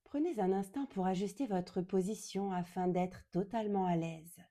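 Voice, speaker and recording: A woman guiding a yoga nidra meditation in a calm, gentle, soothing way, speaking deliberately and leaving long pauses. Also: medium pitch. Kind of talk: slow guided meditation.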